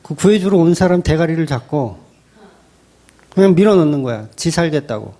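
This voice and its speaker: A man's voice: a little high, expressive, normal speed, mellow. A middle-aged man, a pastor preaching a sermon in a conversational style, acting out quoted voices.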